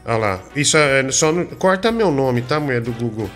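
A man's voice: mid-range voice, lively intonation, moderate pace, fairly bright tone, faint music behind. A man hosting a comedy radio show, needling and teasing his co-host.

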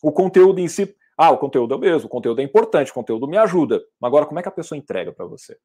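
A man, a public speaking trainer, answering questions in a lively, emphatic way with sudden loud outbursts. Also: a little high, very fast, slightly rough. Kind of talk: casual teaching, answering audience questions.

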